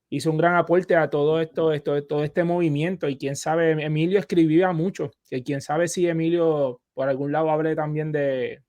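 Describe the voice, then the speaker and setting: Brief: man hosting a chat, voice a touch high, dry sound. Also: darkish tone, dry recording. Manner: affirming, eager interjections. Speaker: host. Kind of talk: casual conversation.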